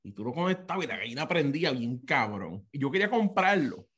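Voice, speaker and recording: Animated man telling a story. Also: mid-range voice, a little fast. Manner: animated and profane, acts out voices. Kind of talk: casual storytelling chat.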